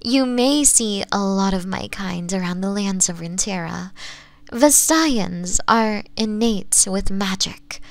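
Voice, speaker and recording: A woman voicing a flirtatious, possessive nine-tailed fox woman in an ASMR roleplay, speaking softly and coaxingly and slipping into breathy whispers. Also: medium pitch, slow pace, no echo. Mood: affectionate, welcoming.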